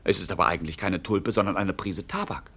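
An actor playing a witty, carefree drinking jester in a theatrical radio play, declaiming with mock pomp. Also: male voice, low-pitched, fairly quick, a bit bright. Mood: mocking, exuberant. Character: witty drinking jester, carefree, earthy mocking male companion.

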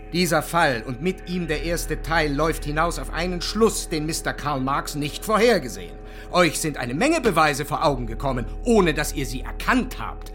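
An actor playing a grave prosecuting narrator in a literary radio play, reciting deliberately and declaiming. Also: male voice, fairly high pitch, sharp tone.

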